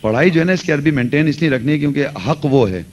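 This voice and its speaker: A man's voice: on the high side, muffled recording. A man giving a religious lecture, earnestly explaining and mixing English words into his speech. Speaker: Quran lecturer.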